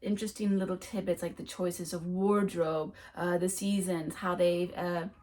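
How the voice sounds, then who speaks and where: A woman's voice: fairly low pitch, fairly even intonation, normal speed, a little mellow. A woman who is a French speaker, chatting casually through a monthly reading wrap-up, rambling with frequent ums and restarts. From United States. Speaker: book vlogger.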